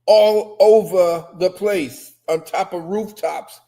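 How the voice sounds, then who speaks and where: Older guy from trinidad on a video call, slightly high voice, preachy and emphatic. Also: slow pace, dark tone. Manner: emphatic storyteller, lectures with conviction. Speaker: co-host. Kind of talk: casual video call chat. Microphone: webcam on video call.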